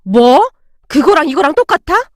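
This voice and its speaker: A woman's voice: animated, brisk, no room sound, studio quality. A woman voicing a scolding older mother-in-law. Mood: indignant. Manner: shrill, scolding.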